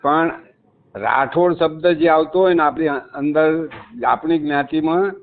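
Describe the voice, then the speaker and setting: This caller is a man whose slightly high voice holds a steady tone as he speaks a bit slowly. Heard over a tinny phone connection, he keeps hammering his points, repeating them emphatically.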